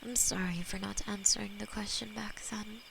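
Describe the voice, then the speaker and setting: A woman voicing a possessive, tender female demon lover, whispering softly and haltingly in an audio roleplay. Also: medium pitch, vocal fry. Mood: devoted. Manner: soft intimate whispering, halting. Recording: steady cricket and night noise behind.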